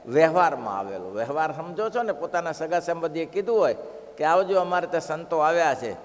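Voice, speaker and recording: A man's voice: a little high, expressive, fairly quick. A man giving a devotional scripture sermon who tells stories and repeats phrases for emphasis. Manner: storytelling, repeats phrases for emphasis, chants verses. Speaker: preacher giving a scripture discourse. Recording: long hall reverb.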